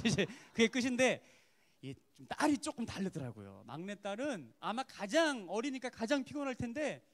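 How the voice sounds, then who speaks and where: A man's voice: high-pitched, big pitch swings, normal speed. A man, a worship minister, giving a testimony sermon at a church service, telling stories expressively, acting out quotes and laughing often.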